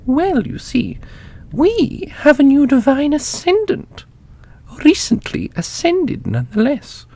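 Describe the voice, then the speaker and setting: High-pitched, playful ancient custodian. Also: male voice, huge pitch swings, slow, creaky, darkish tone, full character voice. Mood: earnest. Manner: blunt, playful, elusive. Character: ancient irreverent custodian, high-voiced, teasing and evasive. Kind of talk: ASMR fantasy audio roleplay.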